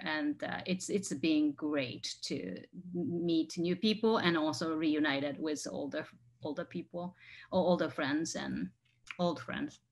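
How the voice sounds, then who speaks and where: Young woman, halting english full of fillers, on a video call. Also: low-pitched, fairly bright tone. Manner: hesitant, many fillers. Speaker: guest set designer. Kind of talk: casual chat on video call. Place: home room.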